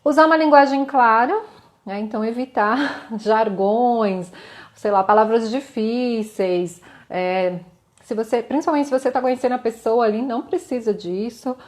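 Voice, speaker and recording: Her voice on the high side and her speed normal, the Brazilian Portuguese-accented instructor teaches communication over a live stream. She keeps it chatty, adding small questions and soft laughs while responding to comments from viewers.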